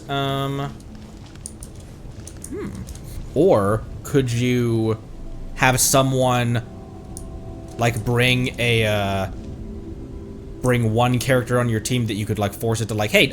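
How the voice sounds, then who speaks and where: Animated man streaming a game, swooping pitch. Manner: thinks aloud, stammering in bursts. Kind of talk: casual live gameplay commentary. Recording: game music behind the voice. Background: video game music.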